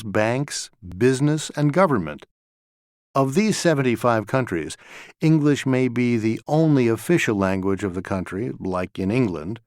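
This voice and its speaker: A man acting as a lecturer, giving a scripted class talk in a clear, measured way, recorded in a studio. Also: medium pitch, a little mellow, no echo, natural voice. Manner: measured, clear explanatory delivery. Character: male lecturer talking to a class.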